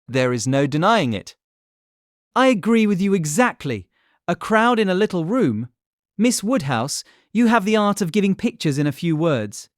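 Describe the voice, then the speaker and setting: An actor playing an eager, gallant young gentleman, smooth and persuasive, in an audiobook period drama. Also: high-pitched, big pitch swings, moderate pace, no echo, studio quality. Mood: gallant, conceding. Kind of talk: audiobook full-cast period drama acting.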